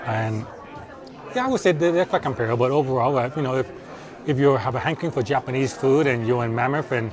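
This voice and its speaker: A man talking very fast over crowd noise in the background. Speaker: vlogger reviewing a restaurant. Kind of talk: casual vlog chat. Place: cafe. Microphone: phone near.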